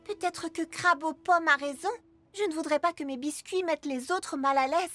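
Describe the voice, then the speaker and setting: A woman's voice: high voice, moderate pace, a bit bright, faint music behind. A woman voicing a sweet, earnest, kind-hearted young girl baker in a French children's cartoon dub, sincere and childlike. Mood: hesitant, disappointed. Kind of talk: French animated series dub acting.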